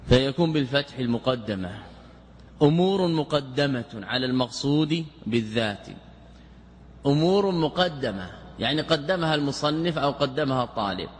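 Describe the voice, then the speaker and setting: Man teaching a slow careful grammar lesson, echoey hall, bit of background hiss. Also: mid-range voice. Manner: deliberate, explanatory, repeats key words. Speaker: Islamic scholar teaching grammar. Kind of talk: classical Arabic lecture.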